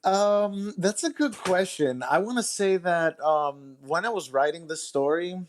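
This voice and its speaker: A man chatting casually as a guest author, halting and thinking aloud as he goes. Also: sits high, a little hiss or hum. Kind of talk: casual chat.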